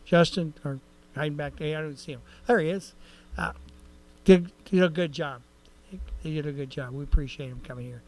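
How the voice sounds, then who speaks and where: A man's voice: a little high, steady tone, normal speed, a little mellow. A man giving a rambling, folksy report at a city council meeting, with many fillers and restarts. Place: council chamber.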